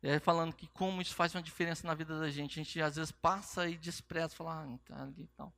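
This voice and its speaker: Bright-voiced man preaching a testimony. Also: fairly high pitch, fast talker, smooth, no echo. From Brazil. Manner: animated storytelling with quoted dialogue. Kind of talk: sermon testimony.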